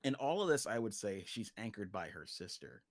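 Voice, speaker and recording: A man's voice: fairly low pitch, very animated, normal speed. A man in a casual livestream chat, explaining a fictional story world in an informal, joking way. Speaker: guest, creator of an original story universe.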